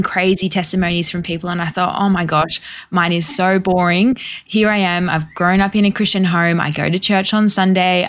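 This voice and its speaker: A woman hosting a faith interview, asking questions and affirming her guest. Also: on the low side. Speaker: guest host.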